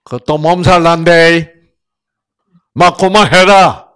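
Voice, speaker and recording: A blustering middle-aged husband, as a lecturer puts him on, barking in a thick Gyeongsang accent. The voice jumps well above the man's own and comes out loud and scolding. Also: fairly high pitch, fairly even intonation, takes it slowly, clear, resonant tone, pitched above the performer's own voice. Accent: Gyeongsang Korean. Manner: shouting, scolding.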